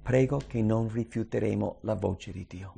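Earnest preacher man with a gravelly voice. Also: lowish voice, moderate pace, warm tone. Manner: earnest, emphatic, repeats key phrases. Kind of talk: sermon with scripture reading.

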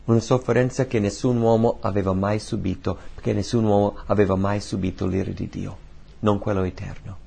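A man preaching a sermon, emphatic and repeating key phrases, swinging between soft lines and loud ones. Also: on the low side, little pitch movement, fairly quick, gravelly, breathy edge.

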